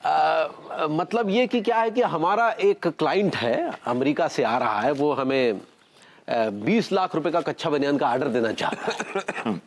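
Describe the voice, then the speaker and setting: A pompous small-time trader. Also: male voice, fairly high pitch, lively intonation, unhurried. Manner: pompous, impatient.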